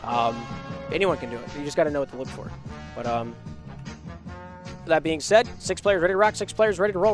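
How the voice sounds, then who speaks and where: A young man doing live esports play-by-play, hoarse from a week of illness, his voice sometimes cracking, rising with energy on shots and goals. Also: high-pitched.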